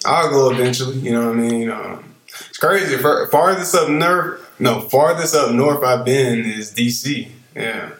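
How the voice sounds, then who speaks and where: A man's voice: mid-range voice, unhurried, fairly bright tone, roomy sound, rough recording. A young man from Eastern North Carolina with a Southern accent, co-hosting a podcast in a laid-back, rambling way full of fillers. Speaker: podcast co-host. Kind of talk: casual podcast chat.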